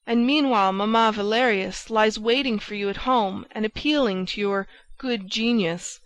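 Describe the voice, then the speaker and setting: A woman's voice: medium pitch, steady tone, moderate pace, a bit bright, natural voice. A woman reading the lines of a jealous young man, with impassioned, sarcastic outbursts. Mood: pleading.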